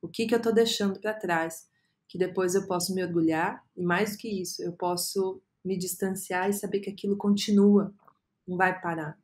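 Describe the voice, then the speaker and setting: A woman's voice: on the low side, fairly even intonation, normal speed, a little mellow. Earnest Brazilian woman telling her story. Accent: Brazilian Portuguese. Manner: earnest, storytelling, frequent "é" fillers. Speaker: guest, agency co-founder. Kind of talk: reflective podcast interview.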